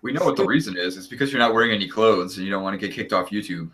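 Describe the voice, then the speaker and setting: A man's voice: fairly low pitch, very fast, fairly bright tone. A man chatting in a laid-back way on a group stream, laughing and using lots of fillers. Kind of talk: casual chat.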